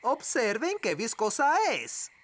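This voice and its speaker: A woman's voice: on the high side, big pitch swings, slow, heavy background noise. A woman voicing a haughty, callous lady witch who teaches with pompous nonchalance in a Latin American Spanish cartoon dub. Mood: lecturing. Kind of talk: animated children's cartoon dub.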